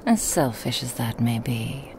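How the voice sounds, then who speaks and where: A woman whispers right up against the microphone as a Christmas demoness, sly and threatening, full of teasing insinuation, in a slow, dark ASMR roleplay. She commits to the character with an extremely deep, gravelly drawl, and there is some background noise.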